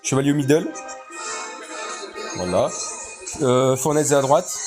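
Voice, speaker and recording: A man doing live gameplay commentary with casual, slangy chat, excitable and repetitive, swinging into high-pitched exclamations. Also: slow, over music. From Congo. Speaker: video game streamer.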